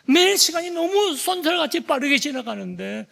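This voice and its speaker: A man in his seventies preaching a sermon as pastor, telling a story with animated flair and tagging lines with a questioning "eh?". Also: very high voice, normal speed, gravelly. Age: 70s. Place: church sanctuary. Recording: long church hall reverb.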